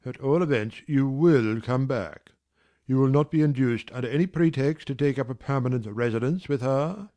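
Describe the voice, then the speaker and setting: A brusque, commanding gentleman of middle years who teases and bargains by turns, as a man reads him. His voice sits at an ordinary male pitch. He sounds like a figure from a period storybook drama. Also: normal speed, natural voice. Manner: gruff, teasing, commanding. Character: brusque teasing gentleman employer, middle-aged. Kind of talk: dramatized classic novel reading.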